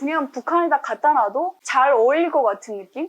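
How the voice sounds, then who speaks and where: A woman with lively intonation, music in the background. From Pyongyang, North Korea. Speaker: North Korean defector. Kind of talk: casual talk to camera.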